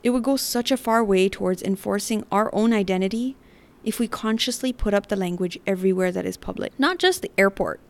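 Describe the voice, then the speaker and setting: A woman in her thirties from the Northern Mariana Islands with a light Chamorro accent, hosting a podcast and reading personal narration in a measured, articulate, reflective way. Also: mid-range voice. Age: 30s. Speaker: podcast host.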